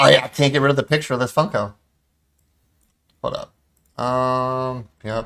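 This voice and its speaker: A man with an American accent speaks loudly in a bright, sharp tone at medium pitch and a moderate pace, his intonation fairly even and broken by long, frequent pauses. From Philadelphia, US. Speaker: streamer. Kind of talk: casual live stream chat. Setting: home live stream, headset.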